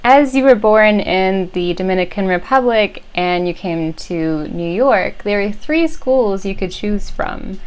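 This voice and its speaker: A woman's voice: medium pitch, expressive, measured pace, few pauses, clean tone. A young woman hosting an interview show, opening upbeat and asking plain questions. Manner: friendly, upbeat intro then plain questions. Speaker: host, interviewer. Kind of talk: interview host.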